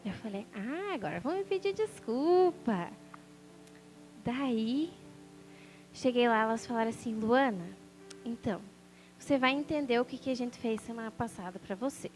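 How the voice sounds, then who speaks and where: A woman's voice: fairly high pitch, animated, normal speed, long pauses, soft background music. A woman sharing a personal testimony as a sermon, telling the story with animation and acting out the voices of people she quotes. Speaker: preacher.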